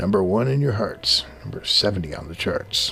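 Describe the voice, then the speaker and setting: A man is speaking. Music plays in the background. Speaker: livestream host and TV director. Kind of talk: casual livestream chat. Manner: casual, filler-heavy. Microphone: close to the mic, proximity effect.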